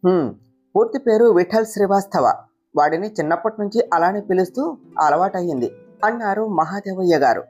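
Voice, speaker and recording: A woman's voice: mid-range voice, husky. A woman narrating a serialized romance story, voicing every character in her own voice. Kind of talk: reading a romance story aloud. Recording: soft music behind.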